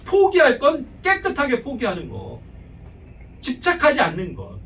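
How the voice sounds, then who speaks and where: A man preaching a sermon in an animated style, asking the congregation rhetorical questions and acting out prayers. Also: extremely high pitch, normal speed, vocal fry, distant mic, slight background noise, rough recording.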